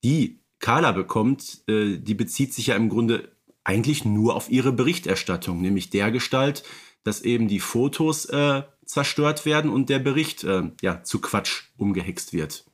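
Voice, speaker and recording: A man's voice: mid-range voice, animated, moderate pace. A man co-hosting a fan podcast, talking casually and rambling with many fillers and restarts. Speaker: podcast co-host.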